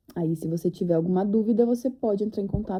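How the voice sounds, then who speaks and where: At a very fast pace, a woman speaks with a medium pitch and fairly even intonation. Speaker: tarot reader. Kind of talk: tarot reading forecast. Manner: speaking louder than usual. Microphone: no microphone.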